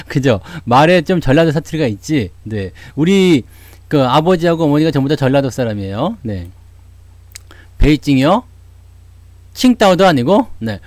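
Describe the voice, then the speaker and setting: A man's voice: on the high side, a little mellow, dry recording. A middle-aged man from Seoul hosting a casual stock-market livestream, chatty and joking, dropping frequent asides as he answers viewers. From Seoul, South Korea. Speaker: stock market YouTube host.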